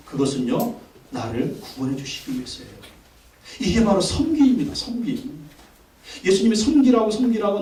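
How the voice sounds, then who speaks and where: In an echoey church sanctuary, a male pastor with a very high, slightly mellow voice preaches a Sunday sermon from off-mic. He speaks with emphasis, repeats his phrases, and asks the congregation questions.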